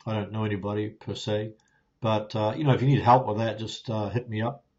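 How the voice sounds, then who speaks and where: A man's voice: on the low side, brisk, muffled recording. Kiwi man rambling through viewer questions. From New Zealand. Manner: relaxed, rambling, many fillers and restarts. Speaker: YouTuber answering viewer questions. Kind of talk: casual live Q&A. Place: home studio with ring light, softboxes and plants. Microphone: phone with clip-on lapel mic.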